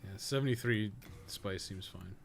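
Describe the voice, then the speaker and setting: A man's voice: on the low side, moderate pace. A man giving casual, rambling live gameplay commentary as a streamer, with some swearing. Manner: casual, profane, rambling asides. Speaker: game streamer and podcast co-host.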